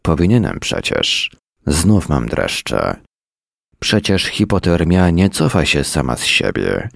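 A man reading a first-person story in a weary, deadpan manner at a close mic. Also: rumbling low, takes it slowly, vocal fry, no echo. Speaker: narrator.

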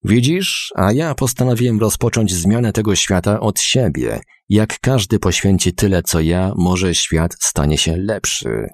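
A man's voice: deep voice, expressive, a little slow, few pauses, dry recording, studio quality, pitched above the performer's own voice. A man voicing an aggrieved, resentful red horned male creature in a storybook reading, whiny and grumbling. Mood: self-righteous.

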